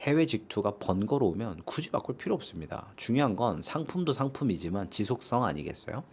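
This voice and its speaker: A man's voice: fairly low pitch, sing-song, fairly quick, a little mellow, slightly rough. A man with a sore throat, hosting an investing channel and answering viewer comments in a casual, conversational way, often adding rhetorical tag questions.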